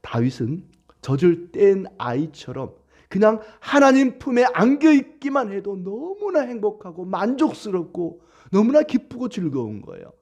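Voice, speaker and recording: A man preaching a sermon as a pastor, animated, with acted quotes. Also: high-pitched, moderate pace, lo-fi sound.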